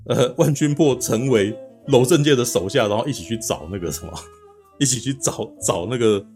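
A man hosting a podcast, recapping a plot in a chatty, animated way and often asking "you know?". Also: medium pitch, moderate pace, soft background music. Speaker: podcast host.

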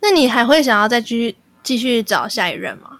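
A woman hosts a call-in podcast, her voice a touch higher than most. She asks short follow-up questions and reacts with exclamations. The recording is dry and close. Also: very animated, a little fast, a bit bright, dry recording. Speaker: podcast host. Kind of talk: call-in radio-style chat.

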